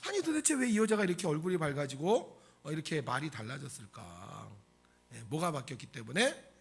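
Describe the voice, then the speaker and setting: A male pastor preaching a sermon in a church in animated storytelling style, often asking the congregation questions, with a raspy voice. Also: on the high side, fairly quick. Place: church sanctuary.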